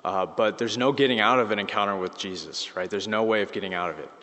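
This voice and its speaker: A slightly hoarse man giving a casual, conversational sermon as a priest, with many fillers and restarts. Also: fairly low pitch, fast talker, pushed and bright. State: slightly hoarse, losing his voice. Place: church. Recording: church mic with long reverb.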